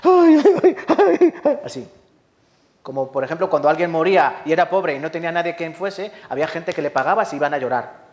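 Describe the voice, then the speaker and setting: A man's voice: fairly high pitch, fast. A man preaching a sermon with a Spanish accent from Spain, telling stories dramatically with rhetorical questions and acted-out sounds. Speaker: pastor. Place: church hall.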